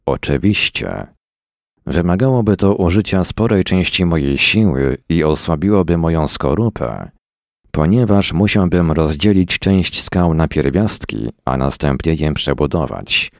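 A man reading the lines of a cruel, childlike fiery alien being in a silky, slow, toying voice. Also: very deep voice, expressive, creaky, no room sound, clean studio sound, full character voice.

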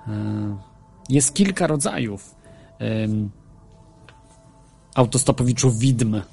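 A man's voice: mid-range voice, expressive, slow pace, creaky, darkish tone. A man hosting an internet radio show, talking casually and hesitantly with frequent fillers and restarts. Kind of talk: casual radio talk with ghost stories. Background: faint music bed.

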